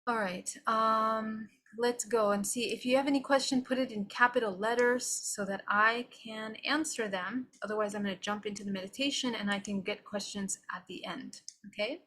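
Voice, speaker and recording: A woman's voice: a little high, steady tone, moderate pace, bright, forceful tone. A woman giving an unscripted, live-streamed spiritual teaching to viewers. She speaks in an earnest, reflective way and often checks in with "okay?". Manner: loose and unscripted, with restarts.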